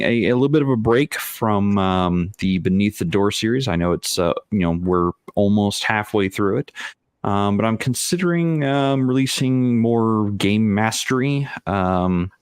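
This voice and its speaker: A man with a fairly low voice in a very dry recording. He speaks in a casual, hesitant way, feeling for his words as a content creator on a panel. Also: dry recording. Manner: halting, hesitant. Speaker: game master and content creator. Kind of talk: casual chat.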